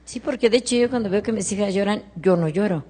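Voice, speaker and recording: An older woman with a Mexican Spanish accent speaks haltingly and repeats her words as she asks her question. Her voice is mellow and soft-edged. It is recorded live, with a long reverb from a large hall. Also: medium pitch. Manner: halting, repeats words, voice rises when quoting family. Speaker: audience member asking a question. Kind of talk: emotional personal testimony.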